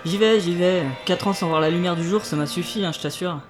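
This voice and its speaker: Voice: medium pitch, a little fast, over music, pitched below the performer's own voice, close to an everyday voice. A performer voicing a grumbling young son who hurries off while muttering complaints, in a fan cartoon dub.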